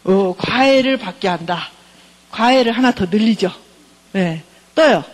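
A woman's voice: mid-range voice, expressive, measured pace, rough recording. A middle-aged woman professor giving a counseling lecture, engaging her listeners by keeping on asking them questions.

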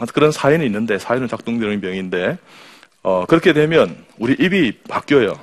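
A man who is a surgeon and professor, giving a humorous health talk to an audience, reeling off rhythmic word lists and coaxing reactions from the crowd. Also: mid-range voice. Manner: jokey, rhythmic word lists, quotes patients in their voices.

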